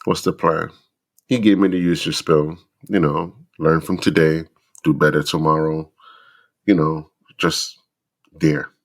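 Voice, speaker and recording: A man's voice: rumbling low, steady tone. A middle-aged man with a stuffy, congested voice, hosting a podcast and speaking earnestly to fathers in a reflective monologue. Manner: earnest, preachy, slow deliberate lists. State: stuffy from the flu. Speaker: podcast host.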